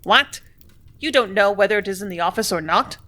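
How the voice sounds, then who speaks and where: A woman's voice: medium pitch, expressive, fairly quick, sharp tone. A woman reading the part of a brusque, blustering male factory superintendent who snaps and roars at his clerk. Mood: angry. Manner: snapping, roaring, bullying.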